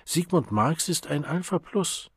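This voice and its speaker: A man's voice: on the high side, lively intonation, a little slow, husky, no room sound, clean studio sound, pitched above the performer's own voice, exaggerated voice. A man voicing a flippant, self-assured young woman in an audiobook reading.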